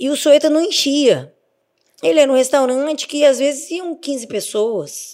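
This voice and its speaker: Speaking fairly slowly, a woman with a high voice uses lively intonation on a very clean recording with a silent background. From Brazil, Espírito Santo (Vila Velha). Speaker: chef. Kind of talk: interview.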